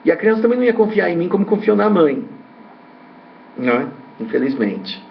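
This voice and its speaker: A man's voice: sits high, sing-song, fairly quick, creaky. A man with a slightly raised voice gives a rambling commentary as a ufologist host. He hesitates, repeats himself and keeps tossing in tag questions. The recording sounds dull and lo-fi.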